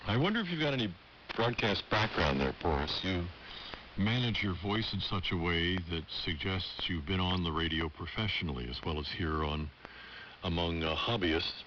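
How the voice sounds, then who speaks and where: A ham radio operator from the United States chatting casually on the air, with a measured broadcast-trained delivery. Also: male voice, deep voice, animated. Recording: dull shortwave radio with static.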